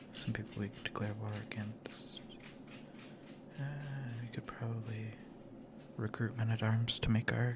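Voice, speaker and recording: A soft-spoken man whispering at a fairly slow pace, with long, frequent pauses and noticeable background noise. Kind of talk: ASMR gaming let's play commentary. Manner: soft-spoken, whispered.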